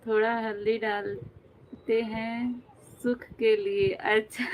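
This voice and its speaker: A woman's voice: a little high, little pitch movement, slow pace, a little hiss or hum, poor audio. A young Indian woman, hosting a casual live stream on her phone, reading out viewer comments, greeting viewers as brother and sister, and laughing often.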